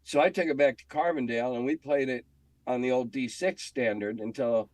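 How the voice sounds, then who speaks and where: An older American man telling stories casually in an interview, candid and halting, often clearing his throat. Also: mid-range voice, darkish tone, no room sound. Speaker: interview guest, game industry veteran. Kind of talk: casual reminiscing conversation.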